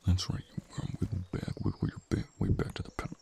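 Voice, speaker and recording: A man voicing a gruff, protective white dragon brother in an ASMR roleplay, talking bluntly. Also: normal speed, warm tone, close to an everyday voice. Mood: threatening.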